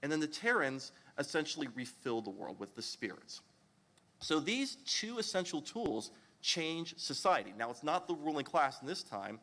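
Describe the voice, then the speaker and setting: Lively man lecturing in a reverberant hall. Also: fairly high pitch, moderate pace. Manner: lively lecturing, with frequent fillers and restarts. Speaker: panelist. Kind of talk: academic panel presentation. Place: convention panel room.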